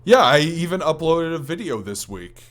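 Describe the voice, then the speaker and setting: A man's voice: on the high side, big pitch swings, moderate pace, fairly bright tone. A man hosting a gaming podcast in casual conversation, talking in a hesitant, rambling way and often correcting himself mid-sentence. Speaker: podcast host.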